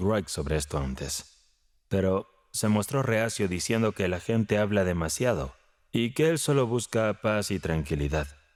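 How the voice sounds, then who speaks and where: Soft-spoken and fairly low-pitched, a man talks at a moderate pace with lively intonation and very even loudness, on a very clean recording with a silent background. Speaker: audiobook narrator. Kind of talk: sleep story. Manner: soft-spoken, calm.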